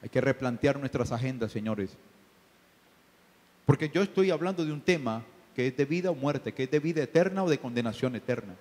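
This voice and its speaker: A man's voice: mid-range voice, lively intonation, a little fast. Man preaching in a reverberant church. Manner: preaching with sudden shouted peaks and hushed asides; addresses congregation directly with rhetorical questions. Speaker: pastor. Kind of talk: sermon. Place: church sanctuary.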